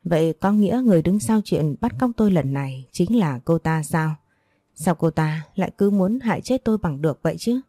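A woman with a low, mellow voice reads a dramatic first-person story aloud. Her delivery is steady and earnest, recorded dry and close with no room sound. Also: a little fast, no room sound.

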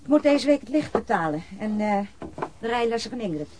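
An actress playing a nagging, thrifty middle-aged wife, fretful and reproachful, in an old radio play. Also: female voice, on the high side, expressive, brisk, noisy background, natural voice. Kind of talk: naturalistic radio play acting.

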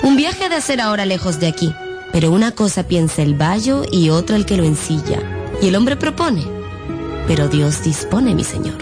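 An actress playing a witty, confident young gypsy fortune-teller in a radio drama, articulate and teasing. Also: female voice, lowish voice, sing-song, normal speed, music in the background. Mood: sly, teasing. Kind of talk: Spanish-language radio drama acting.

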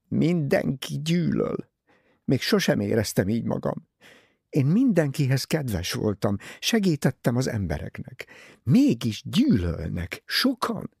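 A trembling young bride full of dread, as a man puts her on with a gravelly, husky voice. She pleads from a dry, close space. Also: medium pitch, darkish tone, no room sound, full character voice. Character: anxious young rich bride, frightened and pleading.

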